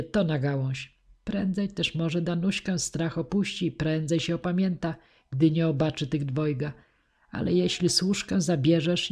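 A woman's voice: deep voice, mellow. A woman reading as a blunt young squire. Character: blunt loyal male squire, young man.

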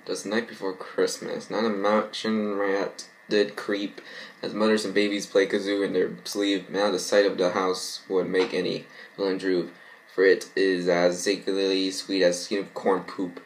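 Deep, gravelly and monotone, this young man reads fan fiction aloud at a measured pace, rambling casually and tripping over his words. He's recording in his bedroom, and the audio is rough with a little hiss or hum.

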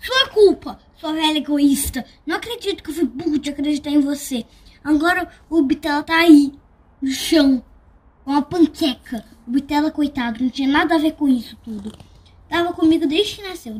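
A woman's voice: high voice, a little fast, lightly acted. A woman playing an upset, plucky young street boy in a Brazilian radio drama. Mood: angry, tearful.

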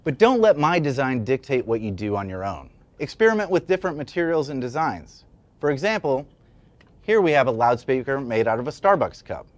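A man's voice: medium pitch, sing-song, fairly quick, no echo. A man in his thirties giving a scripted explainer as an instructor, with an emphatic, demonstrative delivery. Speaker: educational presenter and instructor. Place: indoor studio at a demonstration table. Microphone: lapel mic.

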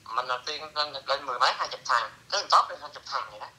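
A middle-aged man telling a story in a casual, lively way, slipping into broken English phrases. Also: mid-range voice, rapid-fire, poor audio. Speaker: interviewee.

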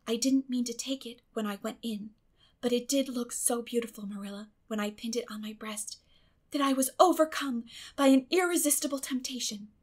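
Woman doing a theatrical little girl for an audiobook, high breathy voice, super dramatic and wordy. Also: moderate pace, lightly acted. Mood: dreamy recital. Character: dramatic, imaginative young girl, pleading and theatrical.

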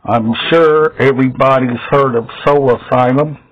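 A middle-aged man hosting a casual show-and-tell vlog at home, talking haltingly in short phrases with long gaps. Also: medium pitch, steady tone, lo-fi sound. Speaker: video host showing a music collection. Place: small indoor room at home.

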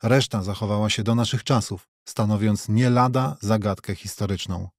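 A man narrates a history audiobook with a measured, steady delivery. His voice sits fairly low, and the close studio recording is dry, with no room sound. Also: no echo. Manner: measured, even reading. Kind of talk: scripted nonfiction narration. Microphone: close studio mic.

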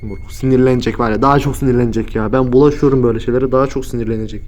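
A man's voice: mid-range voice, steady tone, racing, faint music behind. A young man filming a scare prank vlog, talking in slang and swinging from mutters to frightened yelps. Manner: slangy, exclaiming, swings between mumbling and yelling. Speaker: YouTuber.

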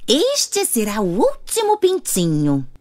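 Woman voicing a gentle, lilting mother hen. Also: a little high, wildly swooping pitch, takes it slowly, no room sound, studio quality, full character voice. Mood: wistful. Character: gentle, devout mother hen, adult female. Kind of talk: animated storybook dialogue.

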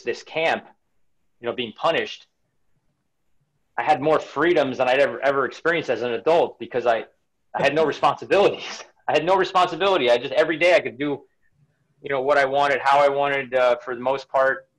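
A man's voice: medium pitch, a little fast, fairly bright tone, low-quality recording. Reflective man in his forties. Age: 40s. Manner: reflective, many restarts and repeated words. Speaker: interview guest, runner. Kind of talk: casual video-call interview. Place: home room indoors. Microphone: webcam on a video call.

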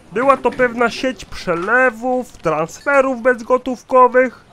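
A man's voice: very high-pitched, a bit bright. A man voicing a shady, dim-witted chief accountant in a satirical cartoon, officious and formal.

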